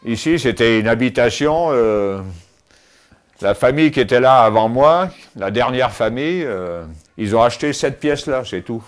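An older man giving a casual tour of his cave home, talking with many pauses and fillers, recorded on a camera mic as he moves around. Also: medium pitch, expressive, smooth. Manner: hesitant, many fillers and restarts. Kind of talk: casual spoken house tour. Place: inside stone cave rooms and outdoors by cliffs.

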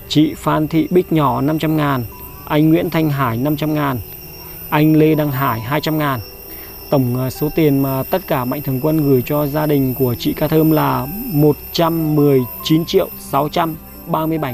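Gravelly man host. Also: fairly high pitch, fairly even intonation, a little mellow. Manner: brisk, coaxing and reassuring. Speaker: vlog host handing out charity money. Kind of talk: reading a donor list, then casual talk. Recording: light background music.

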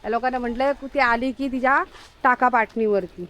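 A woman's voice: fairly high pitch, steady tone, brisk, a bit bright. A woman vlogging outdoors, chatting casually and coaxing animals along the street. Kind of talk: casual outdoor vlog chat.

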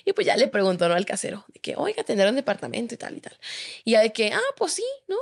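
A woman's voice: mid-range voice, fast, creaky. A young adult woman with a Mexican Spanish accent, telling a gossip story in casual chat and acting out the voices of the people in it. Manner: animated storytelling, acting out quoted dialogue. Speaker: podcast guest.

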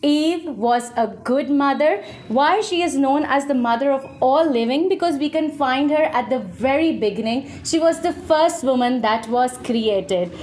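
Young female children's teacher, high voice, South Asian accent, encouraging, simple question-and-prompt delivery. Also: a little slow, hardly any pauses, a little mellow, slight background noise. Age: young adult. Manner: mixes English with Hindi-Urdu. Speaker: host teaching a small child. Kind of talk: children's Bible lesson.

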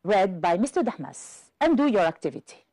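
Woman teacher, unhurried and precise, melodic delivery, dry studio. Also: medium pitch, very animated, dark tone, no room sound. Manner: careful, deliberate, spells out pronunciation. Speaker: English teacher. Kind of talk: slow clear classroom instruction.

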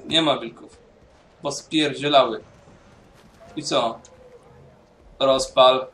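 A man's voice: medium pitch, fairly even intonation, slow, a bit bright, recorded from a distance. A man casually commenting on his own gameplay, mumbling to himself and swearing now and then. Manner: mumbling to himself while playing. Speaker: gaming YouTuber. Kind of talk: casual let's-play commentary.

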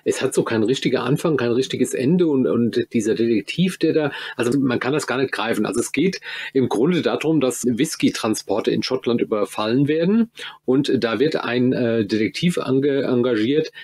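A man with a slightly rough, husky voice talks casually as a podcast co-host. His pitch sits in an ordinary male range. He explains things haltingly, often rewording as he goes. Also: a little mellow. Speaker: podcast co-host reviewing audio dramas. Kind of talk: casual chat.

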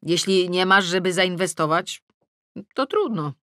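A woman narrator voicing a brisk, insistent woman friend in an audiobook, impatient and businesslike. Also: on the low side, lively intonation, a bit bright, smooth, dry recording, clean studio sound.

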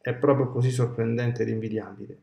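A man reading aloud the words of Jesus as a grown man speaking tenderly to his daughter, in a solemn, measured devotional way. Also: medium pitch, level tone, gravelly, lo-fi sound, close to an everyday voice. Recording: echoey room with faint music.

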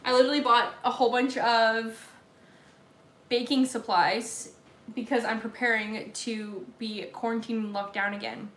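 A woman's voice: on the high side, fairly even intonation, measured pace, fairly bright tone. A young woman with a Southern accent chatting casually on a live stream from her home kitchen, answering viewer comments while she bakes. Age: young adult. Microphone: laptop or phone camera at table distance. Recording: echoey kitchen room sound.

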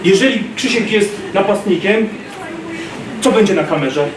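A man in his thirties giving an animated self-defense lecture to a class, acting out street scenes, filmed by a distant camera in a large gym. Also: high voice, measured pace, background noise. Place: large gym hall, indoors. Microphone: far camera. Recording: roomy gym echo from far off.

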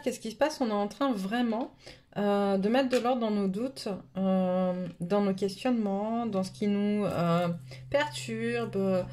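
A woman's voice: mid-range voice, mellow. Brief: woman with a cold, rambling card reader, plenty of fillers, faint noise behind. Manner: rambling, many fillers and restarts. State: has a cold. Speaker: tarot reader. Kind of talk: casual spiritual card reading. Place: home table, camera above the cards.

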